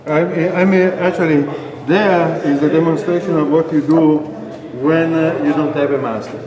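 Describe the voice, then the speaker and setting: A man's voice: fairly high pitch, steady tone. A man with an Italian accent, teaching a scraping technique, hesitant with many fillers, in a busy shop at an engine show. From Italy. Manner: halting explanation with many uh fillers. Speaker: scraping instructor. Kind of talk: hands-on shop demonstration. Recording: roomy echoey hall, mic far off, crowd chatter.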